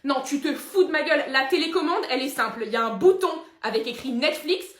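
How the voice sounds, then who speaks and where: A woman playing a shrill daughter ranting. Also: steady tone, fast. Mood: exasperated. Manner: loud, hectoring rant. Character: exasperated young woman scolding her father. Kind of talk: comedy sketch. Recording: roomy echo.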